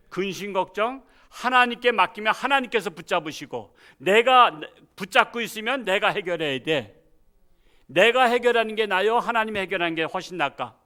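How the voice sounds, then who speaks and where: A man preaching a sermon in a church, with animated storytelling and frequent rhetorical questions to the congregation. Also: sits high. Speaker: pastor.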